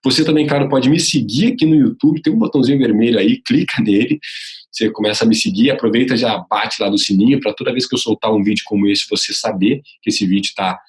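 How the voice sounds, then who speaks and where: A man with a Brazilian Portuguese accent teaching vocal technique to aspiring sports journalists in a casual, lively way, swinging his pitch up and down to demonstrate emphasis. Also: quick pace. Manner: addresses viewer directly, casual and instructive. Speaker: journalism coach.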